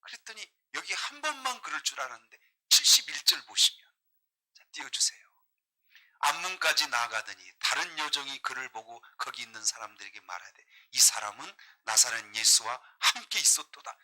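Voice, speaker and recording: A man's voice: medium pitch, big pitch swings, normal speed, sharp tone, poor audio. A middle-aged man from Jeolla, a pastor preaching a sermon, reading scripture and putting emphatic rhetorical questions to his congregation. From Jeolla, South Korea.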